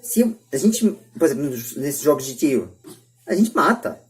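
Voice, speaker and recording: Low-pitched Brazilian woman debating. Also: very animated, normal speed. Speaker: podcast speaker. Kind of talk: opinionated podcast discussion.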